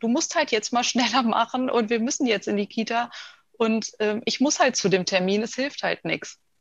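A woman's moderate-paced speech stands out against a quiet background. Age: 30s. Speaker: architect and mother, course participant. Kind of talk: interview, personal testimony.

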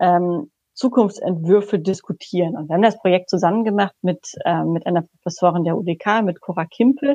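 Over a quiet background, a woman talks at a moderate pace in a medium pitch with ordinary pitch variation. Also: dry, close sound with no echo. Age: 30s. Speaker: designer and research team lead. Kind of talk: interview conversation. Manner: frequent fillers, hesitant.

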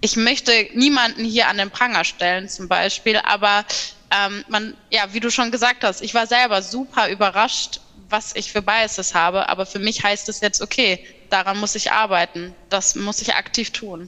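A woman with an unremarkable speaking voice talks at a moderate pace in a medium pitch with fairly even intonation. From Ruhr area, Germany. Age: 20s. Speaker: patient advocate. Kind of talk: panel discussion. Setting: video call.

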